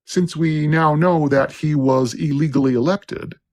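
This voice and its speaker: A man reading scripted narration in a steady, declaiming cadence. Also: fairly high pitch, a little slow.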